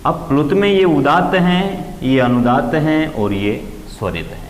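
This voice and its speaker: A man's voice: big pitch swings, measured pace. Man teaching in an echoey room. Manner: explains step by step, raising pitch to stress key terms. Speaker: Sanskrit grammar teacher. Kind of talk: classroom lecture. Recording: echoey room with long reverb, faint ambient noise.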